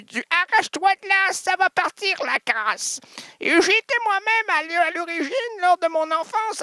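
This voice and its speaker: A man's voice: very high-pitched, pushed and bright, dry recording, studio quality. A man with a Québécois accent doing an improvised absurd comedy sketch, rambling and stammering in a theatrical way. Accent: Québécois French.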